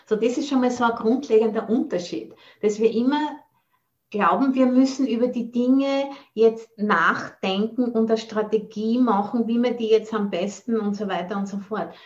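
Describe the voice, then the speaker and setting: Over a lo-fi video call, a woman from Austria delivers a Buddhist dharma talk in a fairly high, darkish voice at a moderate pace. A nun and teacher, she speaks thoughtfully, hunting for words and slipping in English phrases.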